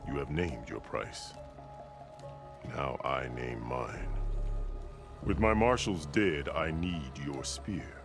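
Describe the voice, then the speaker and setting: An actor playing a stern, proud tribal chief in a video game, speaking formally and deliberately with weighty declarations. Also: male voice, rumbling low, expressive, vocal fry, full character voice. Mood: grim, resolute. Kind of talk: dramatic video game cutscene acting. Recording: dramatic music behind the voice.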